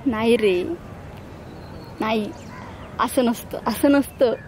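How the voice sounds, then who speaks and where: A woman's voice: on the high side, takes it slowly, slight background noise. An actress playing a young woman, an elder sister pleading to keep her secret love hidden, in a Marathi accent. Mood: coaxing. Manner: pleading, soft-spoken.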